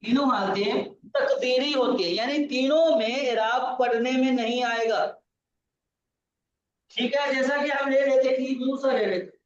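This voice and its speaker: A man's voice: very high-pitched, fairly even intonation, measured pace, slight background noise. A male teacher giving a grammar lesson in a patient, repetitive way, checking that his student understands. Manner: patient, repeats key points, checks understanding. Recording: distant, roomy, dull lo-fi sound.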